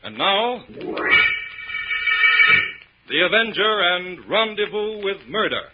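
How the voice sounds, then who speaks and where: A man's voice: sits high, sing-song, takes it slowly, faint music behind. A man announcing a radio show in dramatic, formal, emphatic 1940s narration style. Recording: muffled old radio recording, faint hiss.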